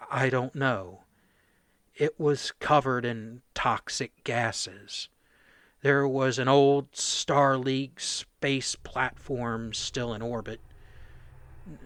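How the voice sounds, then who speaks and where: Man acting a slow, halting, shaken soldier. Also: mid-range voice, a bit bright. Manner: halting, stammering, haunted. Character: shaken, nervous male mercenary foot soldier giving testimony. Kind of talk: radio play dramatic monologue.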